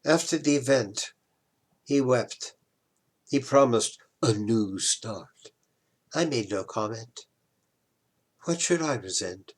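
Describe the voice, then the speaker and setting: An older man giving a dramatic, deliberate poetry recitation, moving between emphatic swells and hushed drops. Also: mid-range voice, lively intonation. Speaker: poetry reader, retired professor.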